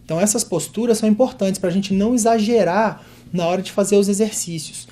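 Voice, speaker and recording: Voice teacher, Brazilian Portuguese accent, mellow timbre, explanatory lesson, demonstrates sounds. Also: mid-range voice, fast talker. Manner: explanatory, demonstrates vowels and drill syllables aloud. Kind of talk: vocal technique lesson.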